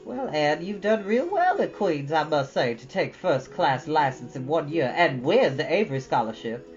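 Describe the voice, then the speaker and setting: A woman's voice: deep voice, sing-song, normal speed, a little mellow, dull audio, soft background music, voice pushed up. A woman voicing a plain-spoken, stern but caring older country woman in a folksy, matter-of-fact storybook reading. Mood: proud, gruff.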